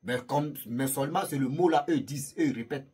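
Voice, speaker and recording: Guy with a really husky raspy voice rambling thru a story for his channel, chatty, talks right at the viewers. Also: mid-range voice, brisk, dark tone. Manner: chatty and rambling, laughing at his own jokes, addressing viewers directly. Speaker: YouTube storyteller. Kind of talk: casual spoken storytelling to viewers.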